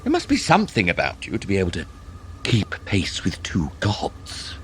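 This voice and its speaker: Cruel fairy-realm elf lord for audio drama: wildly animated pitch, mocking, relishes every word. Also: male voice, moderate pace, a little hiss or hum, full character voice. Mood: mocking curiosity. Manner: theatrical, mocking, savoring words. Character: gloating, cruel elf lord villain of the Fae. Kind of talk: audio drama villain acting.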